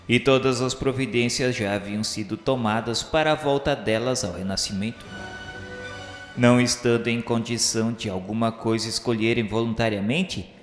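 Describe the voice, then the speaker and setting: A man reads formal literary narration for a radio novel in a solemn, measured, declamatory manner. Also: medium pitch. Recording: echoey hall reverb, music behind. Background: music.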